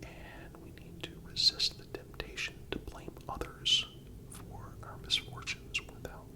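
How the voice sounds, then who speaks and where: A narrator giving a calm, scripted ASMR history narration in a breathy, unvoiced whisper with measured, deliberate phrasing. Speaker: narrator and channel host.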